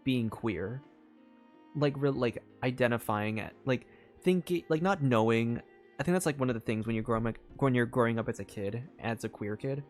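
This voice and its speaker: A man's voice: medium pitch, darkish tone. A man streaming a story game, thinking aloud in a rambling way, with many fillers and restarts. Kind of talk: casual live game commentary.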